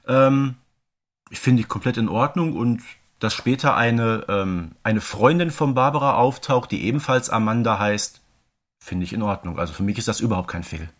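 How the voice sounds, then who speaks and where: Man co-hosting a casual podcast. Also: mid-range voice. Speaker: podcast co-host. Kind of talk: casual discussion of an audio drama series.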